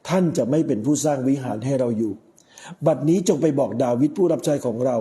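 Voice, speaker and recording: A man of middle age gives a Christmas-season sermon as a Catholic priest. His voice is deeply mellow and dark, at an ordinary pitch. He speaks in measured phrases, pausing often. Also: lively intonation. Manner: measured, with frequent pauses.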